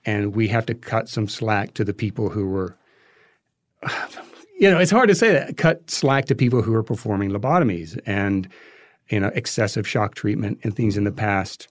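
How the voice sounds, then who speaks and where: A man's voice: lowish voice, animated, moderate pace, no room sound. A man speaking as an interview guest, reasoning thoughtfully and hesitantly in a conversational way. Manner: hesitant, reflective, hedging as he reasons.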